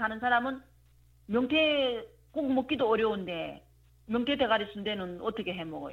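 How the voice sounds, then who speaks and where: Someone speaks at a moderate pace with a North Korean accent. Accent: North Korean dialect, still spoken. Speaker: chef, North Korean defector. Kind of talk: interview.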